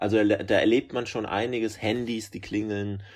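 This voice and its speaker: Fairly even intonation and a moderate pace from a man with a fairly low voice. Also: quiet background. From Germany, Palatinate (Neustadt an der Weinstraße). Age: 30s. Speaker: concert pianist and composer. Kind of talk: interview.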